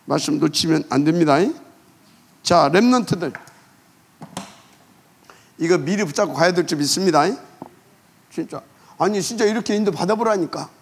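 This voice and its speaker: A man preaching a sermon as pastor, emphatic, asking rhetorical questions and letting phrase ends trail off quietly. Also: a little high, normal speed, creaky, pauses often, breathy edge.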